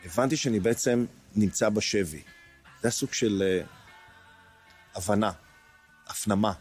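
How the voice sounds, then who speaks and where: A man in his sixties, an interview guest, recounting a personal ordeal in a hesitant way, searching for words with many pauses. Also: on the low side, darkish tone, soft background music. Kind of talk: emotional personal testimony.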